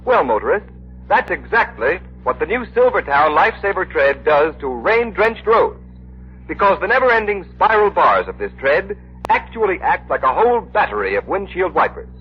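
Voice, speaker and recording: A man's voice: high voice, very animated, moderate pace, breathy edge. A male radio announcer reading in the persuasive, emphatic style of 1930s radio. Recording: dull old radio broadcast.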